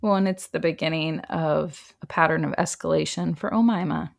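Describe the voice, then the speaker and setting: A woman's voice: sits low, fairly even intonation, moderate pace, vocal fry. Woman telling a true crime case, wry. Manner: laughs often, chatty and wry while telling the case. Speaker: podcast host. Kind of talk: casual true crime storytelling.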